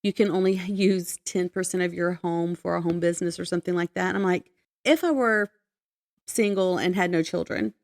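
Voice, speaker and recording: A woman's voice: lowish voice, normal speed, no echo, clean studio sound. An American woman co-hosting a podcast in casual chat, matter-of-fact and opinionated as she airs her complaints. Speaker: podcast co-host.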